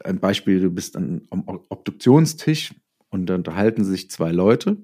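Low, mellow-voiced man. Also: expressive, moderate pace. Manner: explains with hypothetical examples and acted-out quotes. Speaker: interviewed writer and audio drama maker. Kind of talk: casual interview explanation.

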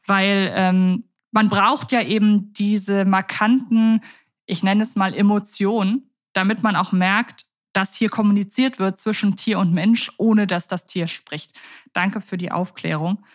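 A woman's voice: medium pitch, fairly even intonation, unhurried. A woman co-hosting a podcast, chatting playfully in long winding sentences. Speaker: podcast co-host. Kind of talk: casual podcast chat.

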